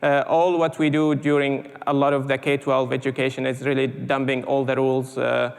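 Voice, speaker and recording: A man from Syria speaking in a lecture hall, with a gravelly voice and a flat, even delivery. He halts often, with many "uh"s and repeated words. A long reverb trails his speech. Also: medium pitch, normal speed. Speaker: panel speaker. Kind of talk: conference talk.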